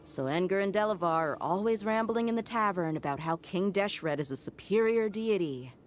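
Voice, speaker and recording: A woman's voice: mid-range voice, animated, a little fast, slight background noise, natural voice. A woman playing a shrewd, cool-headed young desert mercenary in a video game, speaking in a self-assured, matter-of-fact way. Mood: wry, explaining. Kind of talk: dramatic video game voice acting. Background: music.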